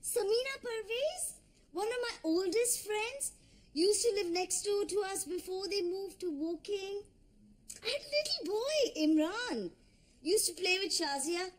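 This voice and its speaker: A sharp-tongued middle-aged mother in a sitcom. Her voice is very high and lively. She teases in a dry, matter-of-fact way. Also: unhurried. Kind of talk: sitcom acting.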